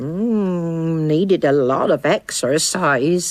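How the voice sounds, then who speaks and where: A put-on character voice at a middle pitch goes along at a very slow pace. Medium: audio drama. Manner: chatty, homely.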